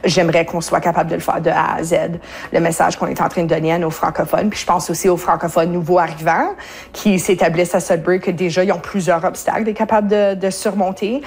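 A woman speaking as a parent in a radio interview, often pausing on fillers and restarting her sentences. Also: on the low side, steady tone, a little mellow, breathy edge. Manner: hesitant, many fillers and restarts.

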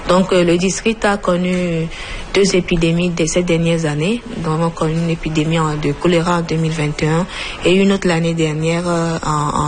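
Female doctor being interviewed, low voice, measured and explanatory, faint ambient noise. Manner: measured, explanatory, with pauses and fillers. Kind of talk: interview answers.

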